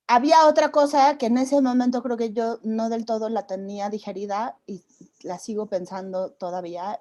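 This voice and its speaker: Woman, film producer, reflective, conversational, medium pitch, dry sound. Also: dark tone, no echo. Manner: reflective, rambling with many restarts. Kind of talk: conversational talk at a seminar.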